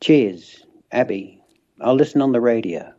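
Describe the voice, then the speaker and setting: A man's voice: mid-range voice, expressive, measured pace, mellow. A man asking a wry, joking question in a recorded voice message played on air. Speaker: listener sending a question. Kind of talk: recorded voice note. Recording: dull lo-fi voice message.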